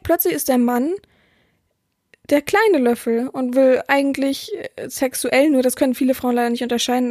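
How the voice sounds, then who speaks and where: Woman, high voice, dry close sound, casual podcast talk, chatty. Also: a little mellow, no echo. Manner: chatty, acts out quoted dialogue. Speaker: podcast host, dominatrix.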